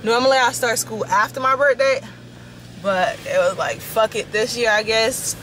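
A woman's voice: a little high, moderate pace, fairly bright tone. A young woman vlogging, chatting casually to viewers, filmed on a phone held at arm's length. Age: young adult. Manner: chatty, addresses viewers as y'all, laughs often. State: slightly raspy from yelling at a concert. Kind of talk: casual vlog chat. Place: inside a car, then in a store. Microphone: handheld phone camera at arm's length. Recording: background noise from car and store.

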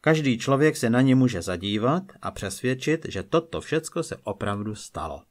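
Calm man reading folk legends. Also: medium pitch, heavy background noise. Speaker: storyteller. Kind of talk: scripted narration of folk legends.

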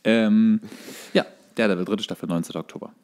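A man co-hosting a podcast in relaxed, casual chat. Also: on the low side, quick pace, clean tone. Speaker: podcast co-host.

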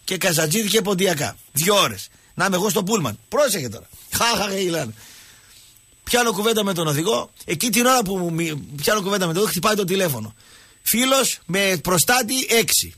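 High-voiced husky male radio host. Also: no room sound. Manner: animated storyteller, jokey, talks to callers. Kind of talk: casual radio talk.

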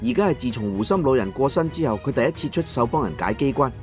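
A man narrating an audiobook in the first person in Cantonese, with colloquial, expressive dramatic storytelling. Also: medium pitch, fast talker, soft background music.

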